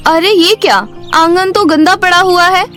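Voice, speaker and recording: A woman voicing an earnest, hard-working young village daughter in an animated bedtime story. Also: very high voice, measured pace, soft background music. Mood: scolding, upset. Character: hard-working, caring young village daughter, scolding her lazy sister.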